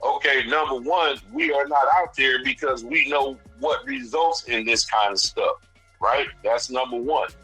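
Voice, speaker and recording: A man's voice: mid-range voice, unhurried, pushed and bright, husky, dry recording, soft background music, low-quality recording. A man speaking as a radio show caller, arguing his opinion emphatically in casual street slang. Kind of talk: opinionated call-in debate.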